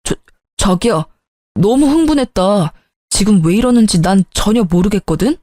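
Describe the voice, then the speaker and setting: Brief: brash two-faced young groom, voiced by a woman, lower voice. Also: expressive, normal speed, dark tone, no room sound, studio quality, natural voice. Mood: angry. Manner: brash, pleading when cornered.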